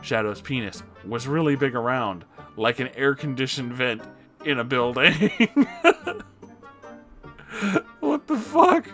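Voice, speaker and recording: A man's voice: mid-range voice, very animated, slow, long pauses, a bit bright, soft background music. A man hosting a comedic reading of fan fiction, breaking off into incredulous, amused asides. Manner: breaks into laughter, exclaims in disbelief.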